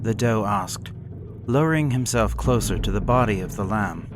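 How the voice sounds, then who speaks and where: A man slowly reading a gothic horror story aloud in a measured, somber way. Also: lowish voice, expressive. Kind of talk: scripted horror narration. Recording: hissy background noise.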